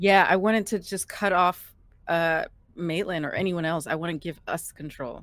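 In a very clean recording with a silent background, a woman with a plain, everyday voice speaks at a moderate pace, fairly low in pitch and with fairly even intonation. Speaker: cosplayer and tabletop game player. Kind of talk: tabletop role-play live stream.

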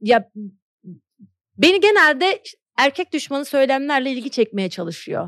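A woman's high-pitched voice with very wide pitch swings and long, frequent pauses. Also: dry, close sound with no echo. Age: 30s. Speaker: content creator and designer. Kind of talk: casual chat. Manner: talkative.

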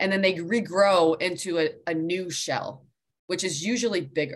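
This woman has a plain, everyday voice and an American accent. Her pitch sits fairly low and varies an ordinary amount. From US, Maryland. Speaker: former pro soccer player and keynote speaker. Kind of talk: interview.

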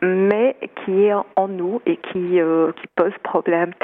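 A woman speaks at a medium pitch. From eastern Algeria. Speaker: novelist and playwright. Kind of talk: interview. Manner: repeats words.

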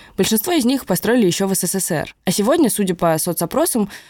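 Fairly quick in pace, a woman speaks at medium pitch with lively intonation. Her tone is dark and mellow. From Moscow, Russia. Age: 20s. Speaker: podcast host, journalist. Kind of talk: scripted narration.

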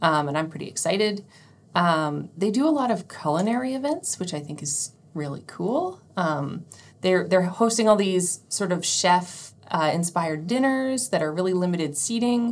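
A woman with an ordinary speaking voice talks at a moderate pace, her medium pitch carried by lively intonation. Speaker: podcast host. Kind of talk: casual chat.

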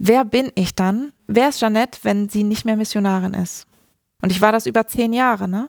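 This woman has an unremarkable speaking voice at a fairly high pitch. Her pace is moderate, with ordinary pitch variation. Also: dry, close sound with no echo. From Germany, East Westphalia-Lippe. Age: 40s. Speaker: educator, former missionary. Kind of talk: interview. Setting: studio.

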